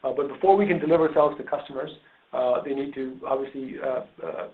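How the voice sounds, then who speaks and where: A man's voice: medium pitch, a little fast. Man on an echoey phone-like line. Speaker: company executive. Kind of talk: answering questions on an earnings call. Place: conference call. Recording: narrow phone-like line, roomy echo.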